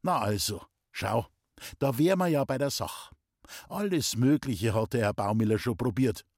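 A man's voice: medium pitch, animated, normal speed, a little mellow, dry recording. Man reading a terse brooding village lad, short dry answers, mid voice, no room sound. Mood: curt. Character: curt, brooding young village woodcarver.

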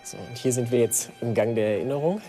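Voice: mid-range voice, dark tone, faint music behind. A guide leading a tour through a building, explaining as they walk. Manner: explanatory, quick.

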